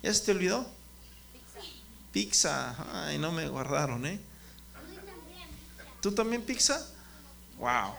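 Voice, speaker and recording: A man preaches to a group of children, pitching his voice high. His tone is bright and lively, and he keeps turning to the kids with questions, calling on them by name. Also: takes it slowly, vocal fry, long pauses. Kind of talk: children's sermon.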